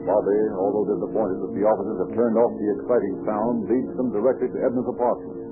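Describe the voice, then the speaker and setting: A man narrates a 1930s radio drama in a low voice. The delivery is scripted. The sound is thin old broadcast, with clear music behind him. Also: steady tone, fast talker, narrow, tinny audio.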